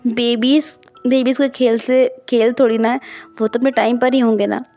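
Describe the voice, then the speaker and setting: A woman voicing a shy, tender young man in an audiobook, speaking softly with hesitant restarts. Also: fairly high pitch, fairly even intonation, moderate pace, faint music behind, close to an everyday voice. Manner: soft-spoken, hesitant restarts.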